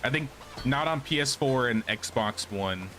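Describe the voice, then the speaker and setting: A man's voice: medium pitch, expressive, unhurried, a bit bright, a little hiss or hum. A man casually commenting on his gameplay during a live stream, thinking aloud and answering chat questions.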